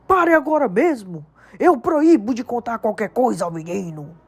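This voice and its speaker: A blustering middle-aged uncle, put on by a woman, barking commands in high, loud bursts. He sounds frantic and bossy, with a husky rasp on top. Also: animated, normal speed. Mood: panicked. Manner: shouting orders.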